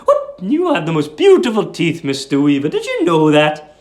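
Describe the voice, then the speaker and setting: Man voicing a high, sugary, fussing English landlady. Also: wildly swooping pitch, a little mellow. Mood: delighted, gushing. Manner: cooing, theatrical, drawn-out exclamations. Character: sugary, fussing, eerily attentive middle-aged English landlady. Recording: roomy echo.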